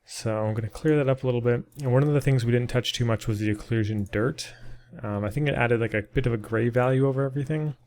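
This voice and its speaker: A man narrates a casual screen-recorded 3D texturing tutorial. His voice is gravelly at mid pitch and a little worn, as if he is losing it. He thinks aloud as he works, with frequent ums and uhs. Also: fast, darkish tone. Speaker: 3D modeling tutor.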